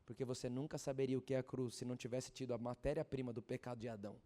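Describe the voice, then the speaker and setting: A man preaching a sermon at a church service, swinging from loud fervent exhortation to hushed storytelling and asking the congregation questions. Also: mid-range voice, fairly even intonation, rapid-fire. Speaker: pastor.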